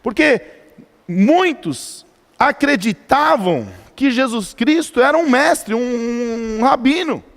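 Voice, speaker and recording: A man's voice: very high voice, expressive, slow pace, creaky. A Brazilian man preaching a sermon as pastor, teaching by asking questions and answering them himself, with frequent fillers and restarts. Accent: Brazilian Portuguese. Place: church hall. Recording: church hall with long reverb.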